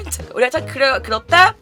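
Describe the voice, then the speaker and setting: Woman vlogger, casual storyteller, animated and laughing, faint music underneath. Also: extremely high pitch, normal speed. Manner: animated, laughing often, acting out quoted lines.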